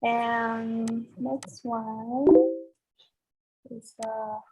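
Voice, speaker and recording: A woman teaching an online English class, calling on students one by one in a patient, soft-spoken way. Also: fairly high pitch, little pitch movement, drawn-out words, breathy edge, soft background music. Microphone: video call. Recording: dull lo-fi call audio.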